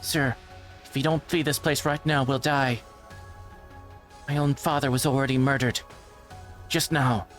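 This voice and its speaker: A man's voice: mid-range voice, fairly bright tone, voice pushed up, close to an everyday voice. A man voicing a fierce, grieving girl in a visual novel, speaking with urgent insistence. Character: fierce, grief-stricken girl urging others to survive. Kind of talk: visual novel character read aloud. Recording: music behind the voice.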